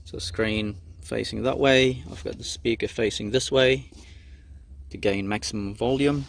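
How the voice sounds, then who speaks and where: A man's voice: medium pitch, fairly even intonation, measured pace, vocal fry, a little hiss or hum. A man presenting a casual hands-on how-to tutorial. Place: in and around a car.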